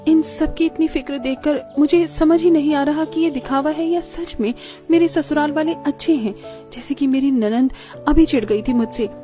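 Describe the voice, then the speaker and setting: A woman voicing a gentle, timid young bride in an animated story, speaking softly and pleadingly. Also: high-pitched, lightly acted. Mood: anxious. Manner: soft, pleading.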